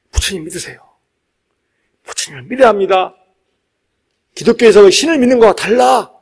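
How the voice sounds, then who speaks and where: Man, Buddhist monk, high voice, widely swinging intonation, dharma sermon, emphatic, repetitive, weighty pauses. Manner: emphatic, exhortative, repeats key phrases, pauses for weight. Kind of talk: sermon to a live congregation.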